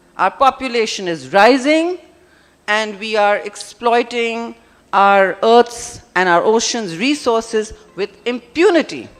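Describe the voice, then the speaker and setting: Through noticeable background noise, a woman with a fairly high pitch speaks very slowly, her intonation lively. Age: 60s. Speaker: politician. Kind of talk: conference speech. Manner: emphatic.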